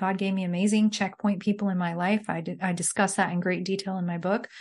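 A woman speaks very fast at a medium pitch, her voice somewhat breathy. Her intonation is fairly even, and the background is quiet. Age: 40s. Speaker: wellness and weight loss coach. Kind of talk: interview.

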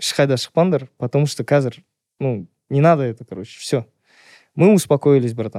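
Pausing long and often, a man talks at a moderate pace with lively intonation and a fairly high pitch, in a very clean, dry, close recording with no echo and a silent background. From Kazakhstan, Pavlodar. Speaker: musician, group member. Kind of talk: casual chat.

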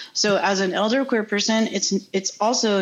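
A woman speaks at a moderate pace with a medium pitch. Her intonation stays fairly even, and it is a plain, everyday voice. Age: 50s. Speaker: spiritual practitioner and harm reduction founder. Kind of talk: casual interview. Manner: casual with many fillers.

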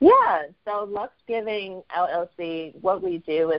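A woman with an American accent. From Washington, D.C. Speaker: entrepreneur, lifestyle expert. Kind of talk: interview.

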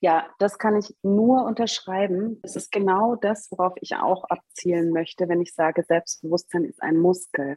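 A woman with an ordinary speaking voice, medium pitch, ordinary pitch variation, a moderate pace, and hardly any pauses. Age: 40s. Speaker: life coach. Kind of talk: interview.

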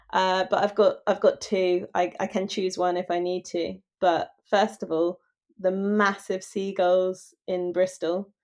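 A woman's medium-pitched voice with a southern English accent, flat and monotone, at a fairly slow pace against a quiet background. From southern England. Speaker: environmental communicator. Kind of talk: casual chat.

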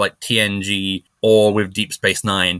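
Bright and sharp in tone, a man's voice comes across dry and close with no echo in a very clean recording with a silent background. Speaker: podcast host. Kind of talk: casual chat.

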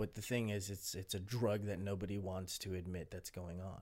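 A man's unremarkable speaking voice, fairly low in pitch, with an American accent at a moderate pace on a very clean recording with a silent background. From United States. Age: 20s. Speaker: podcast host. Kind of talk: casual chat.

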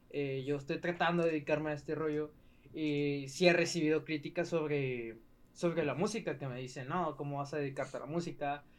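In a normal speaking voice, a man talks fairly high in pitch, his intonation fairly even. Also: fairly quick pace. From Ciudad Juárez, Mexico. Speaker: musician. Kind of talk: casual chat.

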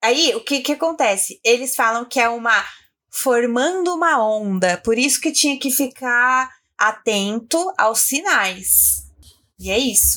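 Very slowly, a woman speaks with a high pitch and lively intonation. Her loudness stays very even. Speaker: podcast co-host. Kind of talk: casual chat.

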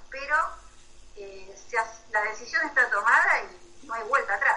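A woman's lively intonation at a moderate pace. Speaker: radio co-host. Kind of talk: casual chat.

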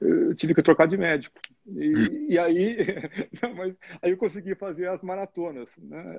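Pausing long and often, a man speaks fairly slowly at a high pitch, with lively intonation and big swings in loudness. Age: 60s. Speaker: psychiatry professor. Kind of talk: casual interview.

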